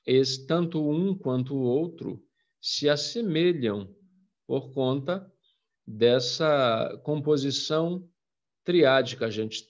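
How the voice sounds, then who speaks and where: A man's voice: medium pitch, slow. Brazilian man lecturing, slightly muffled audio. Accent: Brazilian Portuguese. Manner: explanatory, addresses students as "gente", frequent "né?" and "tá?". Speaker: literature teacher. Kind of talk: recorded video lecture.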